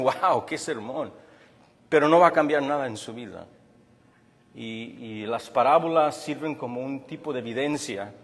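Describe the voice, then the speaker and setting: A man's voice: mid-range voice, husky, big-room sound. A man from Chicago preaching a sermon, explaining earnestly and often restarting his phrases. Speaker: pastor.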